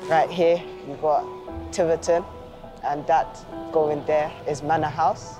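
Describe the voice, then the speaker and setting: Quick casual young man, higher voice. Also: flat delivery, over music. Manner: quick, casual pointing-out of places. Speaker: student sailor. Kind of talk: documentary interview.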